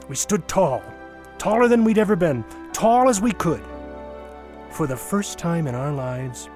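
Male storyteller giving a measured dramatic reading over music. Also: a little high. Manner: measured, with deliberate pauses and emphasis. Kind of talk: dramatic reading of a nostalgic memoir.

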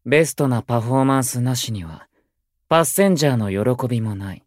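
A man's voice: mid-range voice, lively intonation, brisk, no echo, studio quality, close to an everyday voice. An actor playing a stern, proud, aloof young male idol in a Japanese voice drama, with curt, formal and haughty speech. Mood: stern, argumentative. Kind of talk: Japanese anime-style voice drama acting.

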